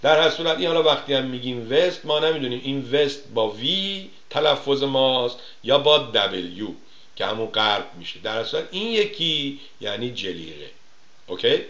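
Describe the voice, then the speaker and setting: A man's voice: mid-range voice, big pitch swings, a bit bright. A man from Iran hosting a TV talk show, chatting casually and joking as he tells stories and mimics the people he quotes. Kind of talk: casual monologue on call-in TV. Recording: roomy, slightly dull studio sound.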